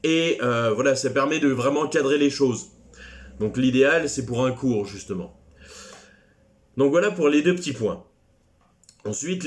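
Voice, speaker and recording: A man teaching a recorded French class lesson, chatty and digressive, with self-deprecating asides. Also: medium pitch.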